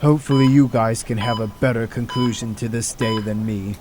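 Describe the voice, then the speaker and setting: A man's voice: mid-range voice, steady tone, fairly quick, background noise, voice pushed down, lightly acted. A man voicing a weary, embittered middle-aged doctor in an audio drama, downcast and dramatic. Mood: defeated, bitter. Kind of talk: amateur audio drama acting.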